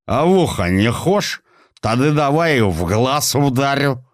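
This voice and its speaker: Man playing a hoarse, swaggering backwoods gold prospector. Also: medium pitch, big pitch swings, measured pace, no echo, clean studio sound, pitched above the performer's own voice. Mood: belligerent. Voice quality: hoarse, wheezy. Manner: rustic, colloquial, swaggering. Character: rough, boozy, brawling male gold prospector of the taiga.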